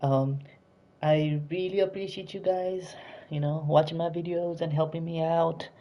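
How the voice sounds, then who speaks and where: A man's voice: on the high side, fairly even intonation, a little slow, warm tone. A man hosting a casual live stream with a sore throat, chatty and pleading with viewers to like and subscribe, with lots of fillers.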